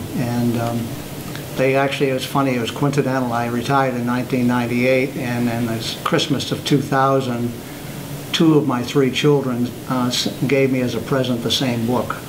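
Against noticeable background noise, a man with a Boston accent talks at a moderate pace in a monotone, flat delivery. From US Northeast, Boston. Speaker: retired military general and author. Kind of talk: talk with audience Q&A. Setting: room with live audience, also online. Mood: calm, reflective. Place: meeting room.

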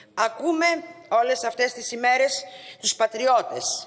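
Her pitch fairly high, a woman talks at a fairly slow speed. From Greece, Chalkidiki; Greece. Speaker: member of parliament. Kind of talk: parliamentary speech. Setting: parliament chamber. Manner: formal. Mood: firm, indignant. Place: hall. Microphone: podium.

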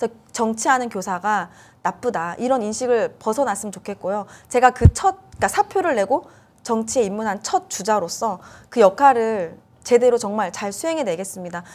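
Her intonation is lively as this woman talks at a moderate pace in a fairly high voice. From South Korea. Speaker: parliamentary candidate, former elementary school teacher; candidate, former elementary school teacher. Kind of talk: political interview. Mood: earnest, passionate. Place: studio. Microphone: lapel.

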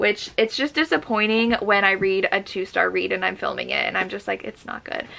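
A woman in an American accent at a fairly quick pace. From US Midwest. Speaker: book vlogger and schoolteacher. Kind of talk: casual vlog. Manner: fast talker. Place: home room. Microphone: camera far.

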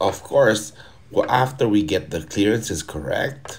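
A man's somewhat breathy voice, fairly low in pitch, at a fairly slow pace. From Mozambique. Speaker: auto mechanic, engine builder. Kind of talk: tutorial. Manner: casual. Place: workshop. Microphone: phone near.

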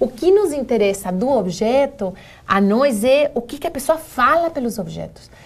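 A woman with a high voice speaks at a moderate pace, her pitch swinging very widely. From South America, emigrated to Brazil as a child. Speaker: theatre company artist. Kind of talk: TV interview. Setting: TV studio. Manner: halting. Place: studio. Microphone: lapel.

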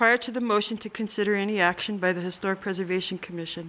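A woman speaks with fairly even intonation. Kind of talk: formal meeting procedure reading. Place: meeting room. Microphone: podium.

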